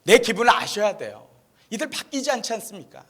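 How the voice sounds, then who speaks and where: Man doing a frustrated missionary, stern, rational, fairly high voice, plain delivery. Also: huge pitch swings, brisk, a bit bright, full character voice. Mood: pleading. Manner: stern, then weary and pleading in prayer. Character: frustrated Western male missionary, rational and individualistic.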